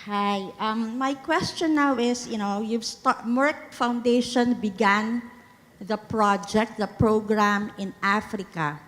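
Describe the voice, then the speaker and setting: Woman in the crowd asking a long wandering question, voice a bit high, echoey hall, faint music. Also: slow, a bit bright. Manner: rambling, searching for words. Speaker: audience member asking a question. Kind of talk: conference Q&A question.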